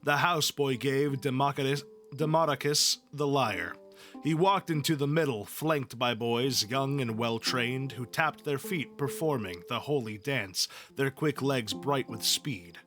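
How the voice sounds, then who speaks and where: Bright-voiced man reading an epic aloud. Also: mid-range voice, a little slow, faint music behind. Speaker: story reader. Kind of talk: reading epic poetry aloud with informal asides.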